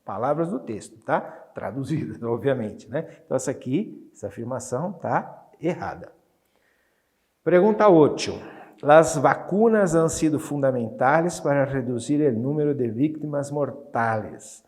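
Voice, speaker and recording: A man with a Brazilian Portuguese accent teaching an exam review lesson. He reads Spanish test items slowly, then explains them in a chatty way and keeps checking in with his students. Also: medium pitch, lively intonation, darkish tone.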